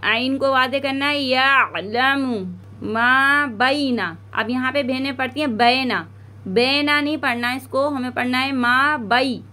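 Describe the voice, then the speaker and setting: A woman teaching Quran recitation step by step, drawing out each word slowly to model it, then explaining quickly, with a South Asian Urdu accent. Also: sits high, steady tone, bright, forceful tone.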